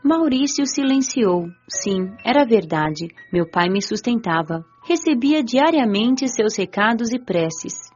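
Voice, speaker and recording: Young spirit woman, Brazilian accent, lively swooping intonation, earnest radio drama storytelling, dull recording over music. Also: fairly high pitch, slow, hardly any pauses. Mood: reflective. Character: nineteen-year-old spirit woman, eager, devoted, recalling her afterlife. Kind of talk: radio drama narration and dialogue. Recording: lo-fi band-limited audio, music behind.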